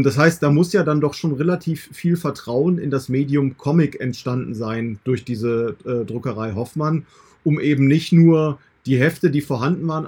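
Middle-aged man, raspy-edged voice, casual interviewer, tentative roundabout phrasing. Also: medium pitch, darkish tone. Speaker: podcast interviewer.

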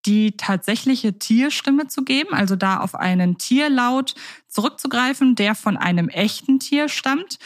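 A woman's voice: fairly high pitch, dry recording. Chatty woman podcast host, dry close sound. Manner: chatty, asks questions, fillers like ähm. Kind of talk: casual podcast discussion.

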